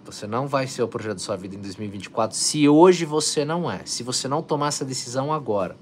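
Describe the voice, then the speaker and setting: A man's voice: mid-range voice, animated, quick pace, slight background noise. A man hosting a motivational live stream, urging viewers on with energy and reading out their comments. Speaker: live stream host, coach.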